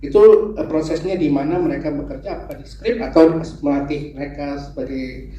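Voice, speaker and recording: A man's voice: fairly high pitch, steady tone, brisk, dark tone. A man asking a press conference several questions, hesitant and full of fillers. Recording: dull distant echoey audio with ambience.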